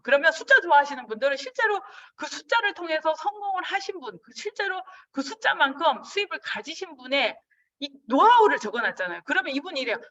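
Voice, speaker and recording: A woman giving a business seminar lecture in an animated way, acting out the dialogues she describes. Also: sits high, recorded from a distance, dull audio. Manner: animated, acts out quoted dialogue.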